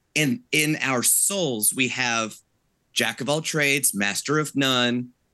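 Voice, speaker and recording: Over a quiet background, a man speaks at a very slow pace. His medium-pitched voice has a bright, sharp tone. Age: 40s. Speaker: mentalist and business consultant. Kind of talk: podcast interview.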